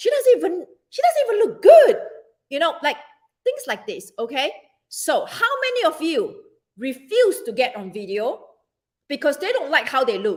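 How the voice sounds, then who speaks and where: In a Singaporean accent, a woman with an extremely high pitch speaks at a moderate pace in an animated tone, with very wide pitch swings and long, frequent pauses. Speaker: event planning business coach. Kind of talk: live-streamed tutorial. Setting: Facebook live video.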